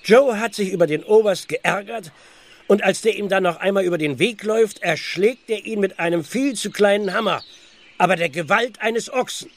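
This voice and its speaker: An actor playing an excitable, easily exasperated village police constable in a German audio drama. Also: male voice, high-pitched, moderate pace, lightly acted. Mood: puzzling it out. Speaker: actor in a radio play.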